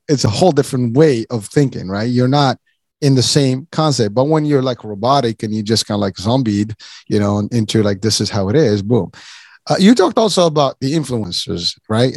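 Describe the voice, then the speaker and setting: A man's voice: medium pitch, darkish tone, husky, dry recording, studio quality. A man from Morocco hosting an interview, talking in a casual, rambling way with many restarts and asides. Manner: rambling, many restarts and "you know", chuckles often. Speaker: podcast host.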